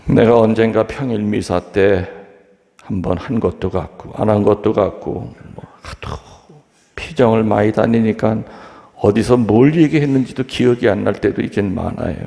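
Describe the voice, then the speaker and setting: A man's voice: lowish voice, normal speed, creaky, dark tone. A Catholic priest giving a humorous, chatty homily to his congregation in a church. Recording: long reverb of a large hall.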